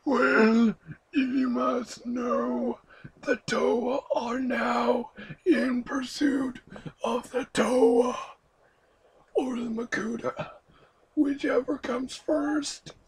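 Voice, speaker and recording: A man playing a frail, excitable old man, halting and quavering. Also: very high voice, husky, voice pushed up, exaggerated voice, rough recording. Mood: strained.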